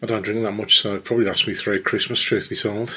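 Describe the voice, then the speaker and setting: A man's voice: fairly low pitch, steady tone, fast, bright, forceful tone, no echo. A man with a Black Country accent chatting casually and a little self-consciously in a rambling vlog. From West Midlands, England. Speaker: amateur vlogger, lorry driver. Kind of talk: casual vlog chat to camera. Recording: clear road and vehicle noise.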